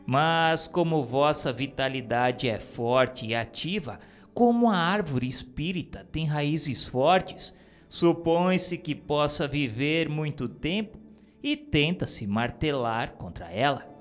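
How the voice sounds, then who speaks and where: A man giving a solemn, earnest reading of a religious text, measured and exhorting. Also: fairly high pitch, lively intonation. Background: faint music.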